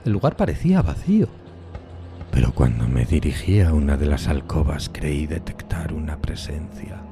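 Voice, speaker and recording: Male actor as haunted undead outcast, very deep, solemn, anguished; theatrical gothic horror audiodrama over strong music. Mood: fearful, tense. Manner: solemn, anguished, theatrical, drawn-out emphatic words. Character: lonely, horrified undead male outcast telling his tale.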